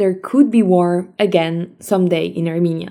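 Her voice is medium in pitch, and this woman has a dark, mellow tone. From France. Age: 20s. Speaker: journalist. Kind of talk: scripted narration.

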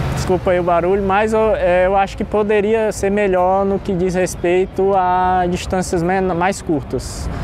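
A man talks in a high pitch at a fairly slow pace with hardly any pauses, his intonation monotone and flat and his loudness very even. Noticeable background noise runs underneath. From Brazil, Ceará. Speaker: podcast host, language learner. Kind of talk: casual vlog monologue. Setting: outdoors in city street. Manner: halting, many fillers.

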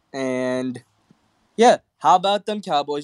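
A man talks at a moderate pace with ordinary pitch variation and a plain, everyday voice. The sound is dry and close with no echo. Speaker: caller leaving a voicemail. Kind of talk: voicemail message.

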